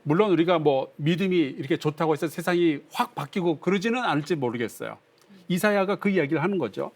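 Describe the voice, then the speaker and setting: A male pastor teaching a Bible class on broadcast, reading scripture aloud and explaining it in a lively, conversational way. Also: on the high side, fast. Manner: reads scripture aloud, acts out drunk voices playfully.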